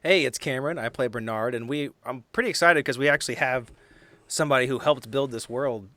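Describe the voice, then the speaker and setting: A man's voice: medium pitch, brisk, sharp tone, no room sound. A man speaking casually as a podcast host, chatting to listeners and fellow players.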